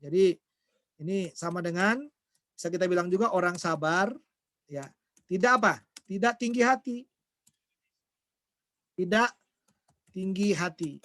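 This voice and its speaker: A man with a high-pitched voice preaches a sermon and keeps quizzing his listeners before answering each question himself. The recording is dry and close, with no room sound. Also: a little slow, long pauses, fairly bright tone, dry recording. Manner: asks the congregation questions and answers them himself; acts out everyday quarrels in quoted voices.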